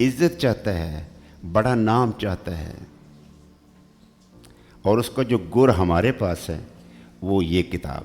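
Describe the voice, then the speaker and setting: The intonation is lively, with big swings in loudness. Music plays in the background. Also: man, fairly low pitch for a man. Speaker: preacher giving a sermon. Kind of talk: church sermon.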